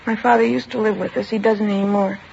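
A woman playing a bitter teenage girl with a gravelly edge. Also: medium pitch, fast, a little hiss or hum, natural voice. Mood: subdued. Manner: flat and withdrawn. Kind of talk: 1950s radio drama acting. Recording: lo-fi vintage radio broadcast.

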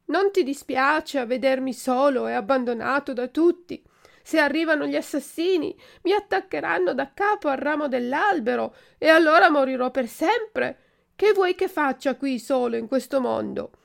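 Pinocchio, high wailing puppet boy voiced by a woman. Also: lively intonation, measured pace, gravelly, full character voice. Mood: grieving. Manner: wailing, pleading, high childlike voice. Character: wooden puppet boy, impulsive and tearful. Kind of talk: storybook reading.

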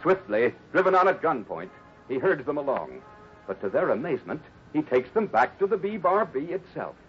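A man's voice: on the high side, very animated, normal speed. A man narrating a 1950s radio adventure serial as its dramatic announcer. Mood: dramatic, suspenseful. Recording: muffled 1950s radio recording. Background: music.

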